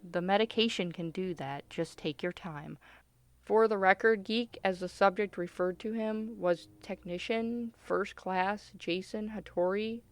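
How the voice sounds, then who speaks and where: A woman's voice: mid-range voice, measured pace, lightly acted. A woman playing a controlled military doctor in a radio play, interviewing a patient in a formal, clinical, authoritative way. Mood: clinical, composed. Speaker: voice actor.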